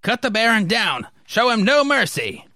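A man's voice: fairly high pitch, a little slow, a bit bright, dry recording, clean studio sound. A man voicing earnest, commanding military officers in stiff, declamatory read-aloud story dialogue.

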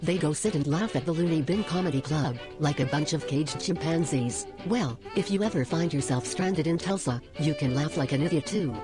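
A cynical, sarcastic sidekick from a scripted comedy show, played by a performer. The delivery is bored and deadpan, full of flat mockery. Music runs clearly behind the voice. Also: medium pitch, normal speed, few pauses, lightly acted. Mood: bored sarcasm. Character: snarky, bored, cynical sidekick who mocks everyone.

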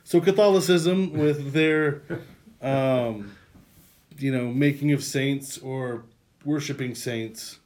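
A man's voice: mid-range voice, takes it slowly, a little mellow. Man, cohost, casual chat, dry jokes, mid voice. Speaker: co-host.

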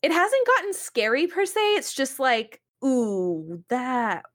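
A young woman chatting casually on a podcast in an animated, rambling way, full of "like" and exasperated storytelling. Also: high-pitched, slow pace. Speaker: podcast co-host. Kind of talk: casual chat about games and anime.

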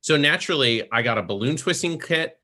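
Bright-voiced chatty man. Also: fairly high pitch, brisk. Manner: chatty, animated storyteller. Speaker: guest, professional Santa performer. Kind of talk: storytelling in a podcast interview.

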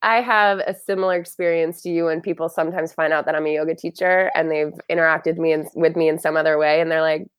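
A woman's voice: low voice, steady tone, quick pace, hardly any pauses, smooth, no echo, clean studio sound. A woman who is a guest yoga teacher, speaking candidly and bluntly in a casual conversation. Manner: candid, blunt, lots of fillers.

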